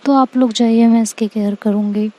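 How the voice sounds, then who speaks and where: Brief: caring female teacher in a storybook reading, full of anxious questions, played by a woman; mellow tone. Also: on the high side, steady tone, normal speed, natural voice. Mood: coaxing. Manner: coaxing, questioning. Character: concerned adult female school teacher.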